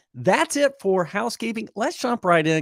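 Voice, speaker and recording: The speaker has a Southern US accent and very wide pitch swings. The sound is dry and close, with no echo. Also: man. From US South. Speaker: developer advocate, webinar host. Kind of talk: live webinar hosting. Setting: live stream. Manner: conversational.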